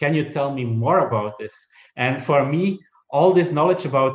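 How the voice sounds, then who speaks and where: His voice is somewhat breathy and fairly high in pitch. The man keeps a moderate pace. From Belgium, West Flanders. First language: Dutch. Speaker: author and software entrepreneur. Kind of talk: interview conversation. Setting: podcast interview. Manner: halting, many repeated words.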